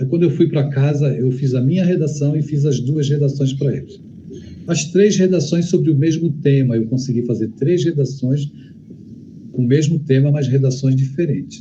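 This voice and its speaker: A man's voice comes through dark and mellow, somewhat breathy. He keeps a moderate pace and fairly even intonation. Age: 60s. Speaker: writer. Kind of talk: interview answering children's questions.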